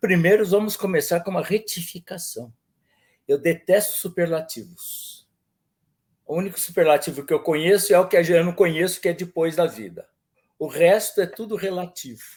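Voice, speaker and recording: This man has a high-pitched voice. His pace is moderate. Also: ordinary pitch variation. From Brazil, Bauru (São Paulo state). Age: 70s. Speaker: retired diplomat. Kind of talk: casual chat.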